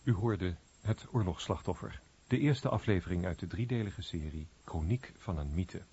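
Male announcer for scripted radio credits: deep, dark and husky. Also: moderate pace. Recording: dull muffled radio recording.

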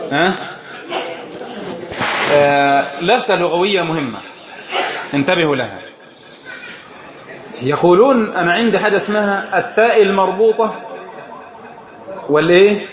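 Egyptian sheikh, high voice, teaching casually and quizzing listeners with laughs; echoey room. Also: male voice, moderate pace, pauses often, crowd noise. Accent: Egyptian Arabic. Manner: questioning the audience, laughing often. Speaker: sheikh teaching a religious study circle. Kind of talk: informal religious lesson.

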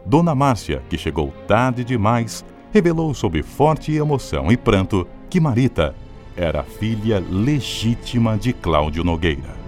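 A man's voice: on the low side, big pitch swings, measured pace. A man announcing and recapping a radio drama from a script in a solemn, emphatic, dramatic way. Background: music.

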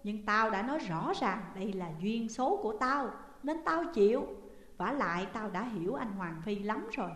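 A woman's voice: medium pitch, lively intonation, moderate pace, a bit bright, close to an everyday voice. A woman with a Southern Vietnamese accent voicing a defiant young woman devoted to a ghost lover in an audio story, recorded in an echoey room. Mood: resolute. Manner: blunt, defiant. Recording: echoey room with long reverb.

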